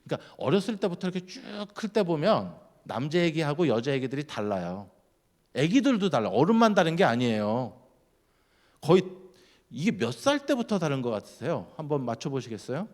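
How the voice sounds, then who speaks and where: Lively man preaching with a sweeping pitch. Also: a little fast. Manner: lively, keeps quizzing the congregation. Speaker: guest speaker at a church. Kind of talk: sermon.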